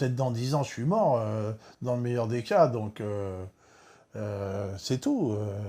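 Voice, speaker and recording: A man's very slow, dark and mellow voice on a very clean recording with a silent background. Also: medium pitch for a man, ordinary pitch variation. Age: 70s. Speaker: political activist. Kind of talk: casual political discussion.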